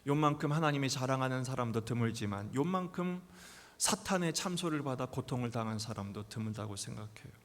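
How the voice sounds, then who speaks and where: A male pastor preaching a live Sunday sermon, dramatic, swinging from hushed whispers to loud outbursts and acting out quoted voices. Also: medium pitch, expressive, fairly quick. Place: church sanctuary. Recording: long reverb of a church hall.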